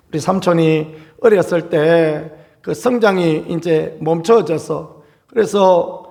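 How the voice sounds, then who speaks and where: High, gravelly-voiced pastor preaching. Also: male voice, a little mellow. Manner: earnest preaching, rising into emphatic calls; acts out quoted cries with raised voice. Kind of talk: early-morning sermon.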